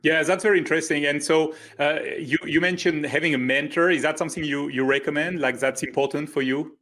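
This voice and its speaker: Guy hosting an interview, fairly high voice, encouraging. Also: steady tone, fairly quick, fairly bright tone. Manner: encouraging, attentive. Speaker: interview host.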